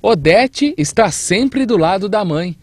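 A man's voice: high voice, animated, slow, a little mellow, no room sound. A young Brazilian man narrating a scripted news feature as a TV reporter.

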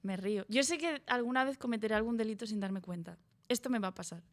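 A woman's voice: a little high, fast. A woman from chatting eagerly about TV series as a guest, rambling with fillers and restarts. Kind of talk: casual chat about TV series.

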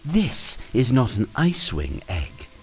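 A man's voice: mid-range voice, wildly swooping pitch, slow pace, pitched above the performer's own voice. A man reading a fantasy storybook aloud, voicing a cruel, scheming female sand dragon queen who hisses her words with cold scorn.

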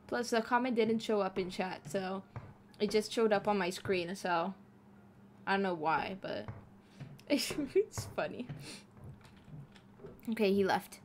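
A woman's voice: mid-range voice, steady tone, a little slow, slight background noise. A woman streaming live as a VTuber, chatting casually with her chat while playing a game, giggling often and swearing freely.

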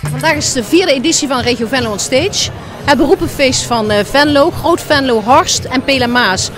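A woman's voice: high-pitched, moderate pace, music in the background. A middle-aged woman, explaining an event in an interview. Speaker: event spokesperson. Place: large busy indoor event hall. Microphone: handheld interview microphone.

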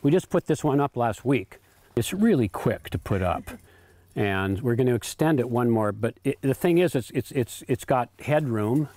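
A man in his eighties giving a relaxed, rambling tour of his homestead, often repeating words while he thinks, on a lapel mic with faint background noise. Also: mid-range voice, moderate pace, dry recording. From United States. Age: 80s. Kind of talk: casual tour talk. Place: outdoor garden and home pantry.

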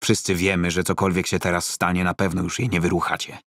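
A man's voice: low voice, level tone, fast talker, fairly bright tone, dry recording, studio quality. A man voicing a tough, embittered fight coach who speaks bluntly and coldly to a gang of thugs. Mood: cold warning.

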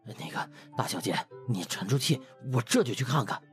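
Man voicing a gentle, flustered butler. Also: mid-range voice, lively intonation, moderate pace, faint music behind, close to an everyday voice. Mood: placating. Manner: soft-spoken, hesitant.

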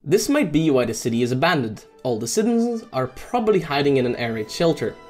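A man's voice: mid-range voice, big pitch swings, fast talker, a little mellow, soft background music. A man reading scripted narration for a segment about a video game.

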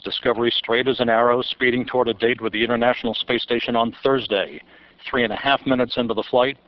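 A man calls a rocket launch live, reading out times, altitudes and speeds in a steady, measured delivery. His voice sits in a middle pitch. The broadcast audio sounds somewhat dull and muffled. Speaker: launch commentator. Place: mission control.

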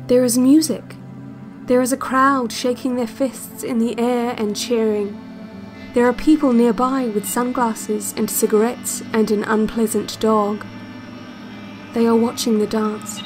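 A woman playing a calm, controlling narrator of an institute's relaxation cassette, measured and hypnotic in an audio drama. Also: a little high. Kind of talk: scripted guided-meditation narration, audio drama.

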